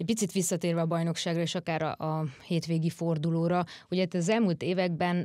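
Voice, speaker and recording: A woman with an unremarkable speaking voice, fairly low in pitch, at a fairly quick pace, in a very clean recording with a silent background. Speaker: sports podcast host. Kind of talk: casual chat.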